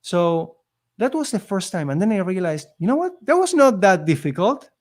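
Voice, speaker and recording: The man speaks at normal speed in a high, sing-song voice, his English marked by a non-native accent. Guesting on a podcast, this immigrant living in Canada shares his story in conversational storytelling that is earnest, emphatic and motivational.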